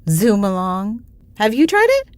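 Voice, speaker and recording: A woman's voice: medium pitch, wildly swooping pitch, a little slow, dry recording. An actress playing a frantic wasteland woman who is hooked on a gadget and talks breathlessly.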